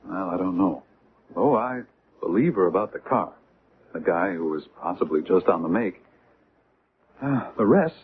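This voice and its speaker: An actor playing an earnest, open-minded doctor and UFO researcher in a conversational radio drama style. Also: male voice, low-pitched, animated, moderate pace, pauses often. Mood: earnest, intrigued. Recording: muffled, noisy old radio recording.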